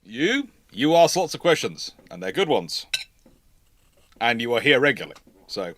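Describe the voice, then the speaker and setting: A man's voice: medium pitch, very animated, moderate pace, a bit bright, no room sound. A man hosting a live history Q&A in casual, chatty style, with a teasing manner. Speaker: host of a live naval history Q&A stream. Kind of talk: casual live chat, answering viewer questions.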